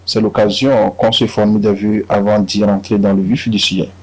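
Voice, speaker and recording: A man with a Togolese French accent hosting a TV talk show, greeting viewers and his guest in a lively, formal presenter's manner. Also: on the low side, moderate pace, poor audio.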